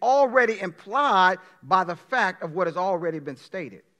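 A raised, projected voice with a bright, sharp tone and lively intonation. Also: man. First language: not Spanish. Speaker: pastor. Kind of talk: sermon. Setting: church.

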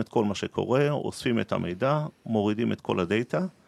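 Very clean with a silent background, this dry, close recording with no echo captures a man at medium pitch speaking at a moderate pace. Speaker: cybersecurity company manager. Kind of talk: interview. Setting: studio.

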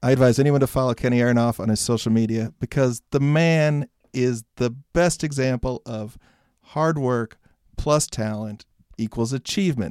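Recorded very cleanly over a silent background, with a dry, close sound and no echo, a man with an American accent speaks at a medium pitch and moderate pace with ordinary pitch variation. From central Illinois, US. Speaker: music journalist and podcast host. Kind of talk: casual chat. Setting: studio.

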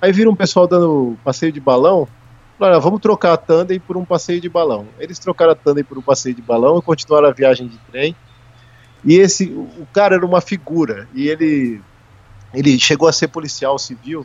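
Using a plain, everyday voice, a man speaks with ordinary pitch variation and big swings in loudness. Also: fairly high pitch for a man, moderate pace. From Brazil. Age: 30s. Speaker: pathologist on a round-the-world bicycle trip. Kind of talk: casual interview chat.

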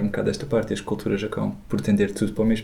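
Fairly low-pitched, a man speaks at a very fast pace with vocal fry. His tone is dark and mellow. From Portugal, Costa Vicentina (Alentejo coast). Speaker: traveller. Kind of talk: casual chat.

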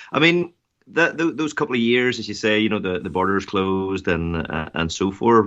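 A man's fairly low voice in a Northern Irish accent, fairly quick in pace, with lively intonation. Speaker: podcast co-host. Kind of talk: casual interview.

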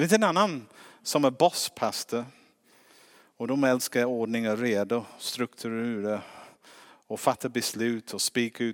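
A man speaks in a normal speaking voice at medium pitch, fairly slowly, with ordinary pitch variation. The recording is very clean with a silent background and a dry, close sound with no echo. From England. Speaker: preacher. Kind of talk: sermon.

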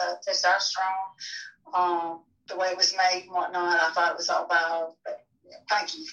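A woman's medium-pitched voice in a monotone, flat intonation, with big swings in loudness and music in the background. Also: moderate pace. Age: 60s. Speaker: caller. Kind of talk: casual chat.

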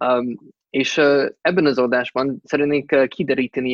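With an English accent, a man speaks at a fairly slow pace and with fairly even intonation. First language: English (speaking Hungarian). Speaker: podcast host. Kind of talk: casual interview in second language. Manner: halting, many fillers and repetitions.

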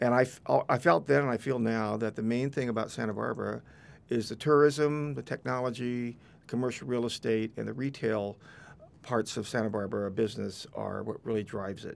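A man talks in a plain, everyday voice at a fairly quick pace. His pitch is medium, with ordinary variation. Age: 60s. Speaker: former radio newsman and PR professional. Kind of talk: casual interview. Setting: studio.

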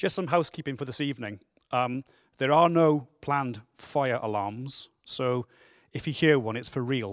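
On a very clean recording with a silent background, an unremarkable speaking voice keeps a moderate pace and ordinary pitch variation. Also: man, medium pitch for a man. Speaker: university dean chairing the lecture. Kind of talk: event chairing and introductions. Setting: live lecture hall with audience.

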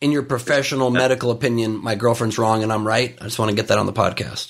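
A man puts on a raspy character voice at a medium pitch. He talks at a very fast pace with monotone, flat intonation. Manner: speaking really fast.

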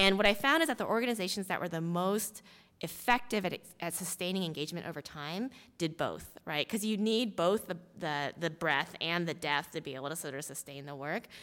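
An unremarkable speaking voice from a woman, fairly low in pitch, lively in intonation and fairly quick, on a very clean recording with a silent background. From US South (Houston, Texas). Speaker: professor and author. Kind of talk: public onstage conversation. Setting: stage with audience.

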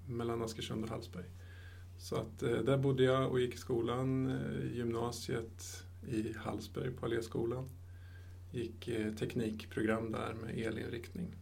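Somewhat breathy and at a medium pitch, a man talks at a fairly slow pace with ordinary pitch variation and long, frequent pauses, amid audible room echo. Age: 40s. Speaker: software developer. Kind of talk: interview.

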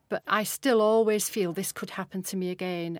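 An unremarkable speaking voice with fairly even intonation comes through a dry, close sound with no echo on a very clean recording with a silent background. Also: woman. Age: 50s. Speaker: mental health nurse. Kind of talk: radio panel discussion.

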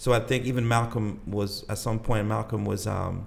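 A man's fairly low voice with vocal fry. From DR Congo. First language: French or Lingala. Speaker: community organizer and entrepreneur. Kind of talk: interview and spoken word poetry.

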